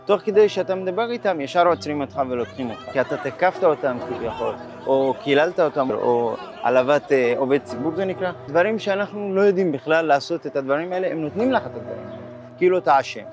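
A man's voice: fairly high pitch, animated, a crowd in the background. A man in an outdoor city interview, telling his account emphatically and with agitation. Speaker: interviewee, asylum seeker community member. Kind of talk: interview talk. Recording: music bed underneath.

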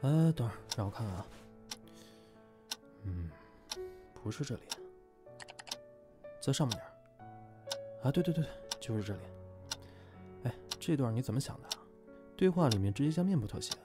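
A man's voice: mid-range voice, expressive, moderate pace, pauses often, music in the background, lightly acted. A man acting a laid-back, cheeky young comic artist in an audio drama. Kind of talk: fan audio drama dialogue.

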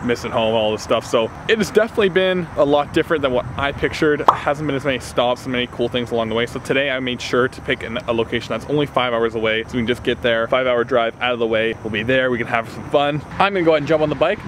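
A man's voice: mid-range voice, fast talker, few pauses, background noise. A man in his twenties with a Canadian accent, chatting casually and jokingly to a handheld camera as a travel vlogger. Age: 20s. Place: outdoors in parking lots and roadsides. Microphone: handheld camera at arm's length. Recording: loud music underneath.

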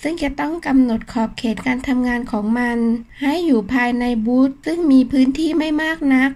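A woman narrating a novel as an audiobook in a steady, even reading voice. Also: high-pitched, fairly quick.

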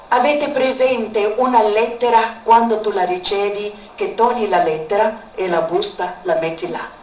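A woman giving an emotional spoken testimony, repeating words for emphasis. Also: medium pitch. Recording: echoey room, far from mic, faint background noise.

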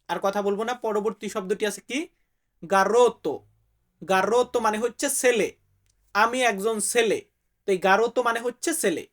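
Slow-speaking man teaching vocabulary. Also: high-pitched, fairly bright tone. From Bangladesh. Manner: slow, repeats each word, asks viewers to repeat; friendly, calls viewers brother. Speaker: language teacher. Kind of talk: vocabulary lesson for viewers.

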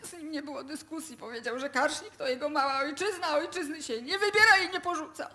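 High-voiced, tearful widow. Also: female voice, brisk, sharp tone. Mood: wounded, reminiscing. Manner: emotional, tearful, talkative. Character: grieving, defensive middle-aged widow of a small-town mayor. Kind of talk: live radio play acting.

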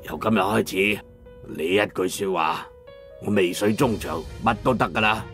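An actor playing a proud, emotional old master locksmith in an emphatic Cantonese audiobook drama. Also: male voice, on the low side, normal speed, fairly bright tone, soft background music. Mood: deeply moved. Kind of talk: dramatized audiobook character acting.

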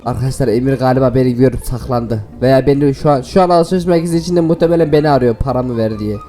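A man hosting a gaming video, giving excited, playful commentary to viewers and laughing often. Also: mid-range voice, fast talker, soft background music.

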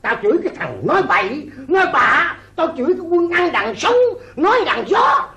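An actor playing a boastful, cheeky blind old fortune teller in a folk opera, with sing-song delivery and quick retorts. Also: male voice, very high-pitched, wildly swooping pitch, bright, forceful tone, roomy sound, full character voice. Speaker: comic opera character. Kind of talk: 1980s Vietnamese folk opera acting.

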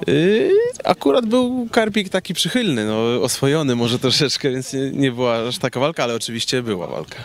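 A man in his thirties, easygoing and pausing often, answers questions outdoors into a handheld microphone in speech. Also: medium pitch, animated. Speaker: interviewed singer. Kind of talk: casual outdoor interview. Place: outdoors in a garden with trees. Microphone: handheld reporter microphone.

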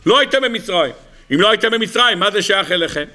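A high-pitched rabbi teaches a Torah lesson to an audience, firing off rhetorical questions in a teasing, animated manner.

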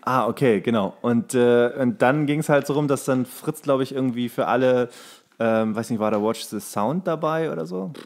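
A man's voice: mid-range voice, moderate pace. A man co-hosting a podcast, telling anecdotes in a loose, colloquial way. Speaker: podcast co-host. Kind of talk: casual chat, anecdotes.

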